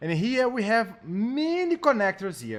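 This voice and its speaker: A man in a Portuguese accent talks with very wide pitch swings. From Brazil. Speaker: English teacher. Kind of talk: lecture. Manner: slow, repeating okay often.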